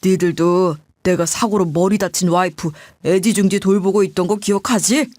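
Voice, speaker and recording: A woman voicing a grieving, grateful middle-aged man who speaks softly and from the heart. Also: on the low side, steady tone, moderate pace, no room sound, clean studio sound, voice pushed down, lightly acted. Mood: heartfelt.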